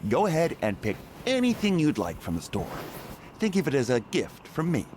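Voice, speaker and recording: A man playing a genial, generous shopkeeper in a video game, friendly and expressive. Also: fairly high pitch, moderate pace, music in the background. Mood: kindly, generous. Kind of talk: game voice acting.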